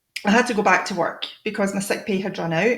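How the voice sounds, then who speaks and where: Somewhat breathy and with a Scottish accent, the speaker talks at a fairly quick pace with lively intonation. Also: woman. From Scotland, Edinburgh. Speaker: energy healer. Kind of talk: interview.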